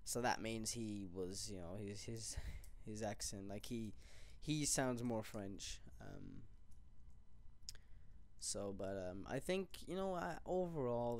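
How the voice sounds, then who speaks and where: A man's voice: lowish voice, a little mellow. A young man from England with a mixed English, Irish and American accent, talking through a personal reflective vlog in a frank, casual way, rambling with many restarts and fillers. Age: young adult. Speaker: vlogger.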